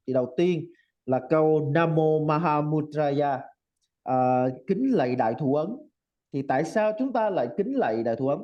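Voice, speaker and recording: A man, interpreting a Buddhist teaching in a steady, explanatory way. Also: on the high side. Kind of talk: translating a dharma teaching. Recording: dull lo-fi audio.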